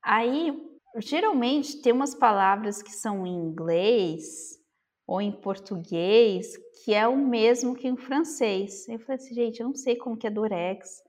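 A woman from Brazil telling a lively anecdote in casual chat, acting out the dialogue. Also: a little high, a little slow. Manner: animated, acts out the dialogue. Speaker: storyteller.

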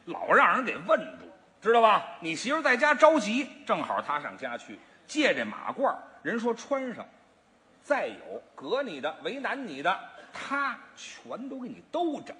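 High, very animated comedian man. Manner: quick reactive quips and interjections. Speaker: crosstalk comedian. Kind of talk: crosstalk comedy performance. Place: theater stage before a live audience. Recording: reverberant live theater sound.

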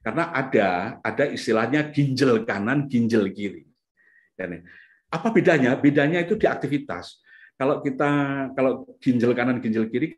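Male seminar speaker, conversational and animated when he acts out scenes, recorded in an echoey hall. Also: medium pitch. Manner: conversational, many fillers like "gitu ya"; acts out parents and children in lively bursts. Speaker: lecturer on the brain and parenting. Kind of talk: casual seminar talk. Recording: echoey room.

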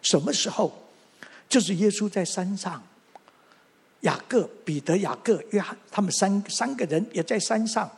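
A man's voice: high voice, animated, moderate pace, creaky, husky. A man preaching a sermon as pastor, emphatic and asking and answering his own questions.

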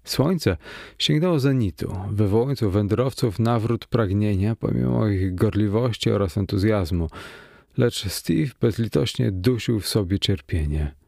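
A man narrating an adventure audiobook in a measured, steady manner. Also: lowish voice, creaky, dry recording, clean studio sound. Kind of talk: scripted narration.

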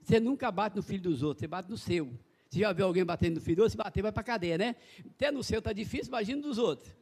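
High-voiced preaching man. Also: very fast, slightly rough. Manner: folksy, animated preaching with calls to the congregation. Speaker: pastor. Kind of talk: evangelical sermon.

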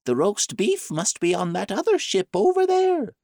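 A man's voice: sits high, huge pitch swings, normal speed, darkish tone, dry recording, clean studio sound, voice pushed up, exaggerated voice. A man voicing an anxious, fussy duck character in a storybook reading. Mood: matter-of-fact.

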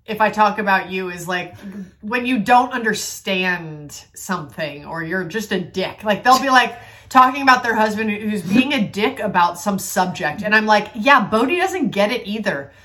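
A woman's voice: medium pitch, lively intonation, normal speed, bright, forceful tone. A woman co-hosting a casual podcast with her husband, frank and teasing, swearing now and then. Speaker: podcast co-host. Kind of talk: casual couple banter.

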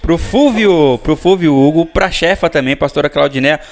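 A man's voice: a little high, normal speed. A man with a Brazilian Portuguese accent co-hosting a live podcast, playful and teasing. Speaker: podcast co-host. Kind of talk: casual live podcast chat.

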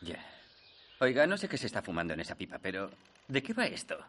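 An actor playing a brash, sarcastic inventor, in a film dub. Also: male voice, lowish voice, wildly swooping pitch, fast, a bit bright, heavily acted. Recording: film soundtrack with faint music.

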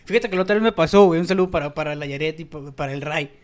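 Speaking rapid-fire in a slightly high voice, this young podcast co-host with a Mexican accent spins a meandering, slang-heavy tale laced with profanity. It's a loose, chatty storytelling session.

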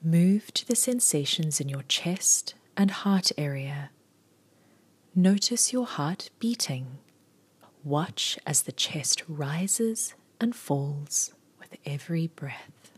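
A woman leading a scripted guided body scan meditation in a breathy near-whisper, giving soothing, unhurried instructions in short phrases. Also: sits low, expressive.

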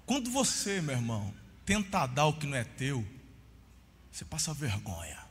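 A Brazilian man preaching a sermon as pastor, telling a story with lively swings and shouting at the peaks, often calling listeners brother. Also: mid-range voice, normal speed, big-room sound, slight background noise.

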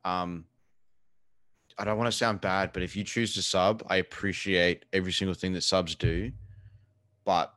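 A man's voice: deep voice, steady tone, normal speed, long pauses, fairly bright tone, dry recording. An Australian man with an Australian accent, chatting casually as a streamer guest in a blunt, sweary, laid-back way. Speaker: live streamer, interview guest. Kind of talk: casual chat. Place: living room.

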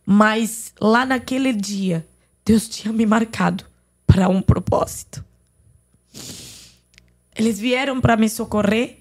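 A woman's voice: a little high, slow pace, long pauses, a little mellow. A woman from Lebanon, a podcast guest, earnestly telling her personal faith testimony and acting out the conversations in it. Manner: earnest storytelling, retelling dialogue.

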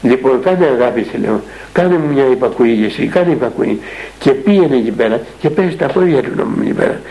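A man's voice: mid-range voice, animated, warm tone, rough recording. An older man, a monastic elder and spiritual father from Greece, telling a story in a radio interview in an earnest, rambling way with many fillers and restarts.

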